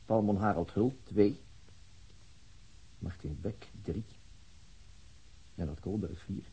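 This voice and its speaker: An actor playing a persistent, formally polite police detective who questions tersely, in a naturalistic radio drama. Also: male voice, low-pitched, slow pace, dark tone, a little hiss or hum, low-quality recording. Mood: grave, concentrated.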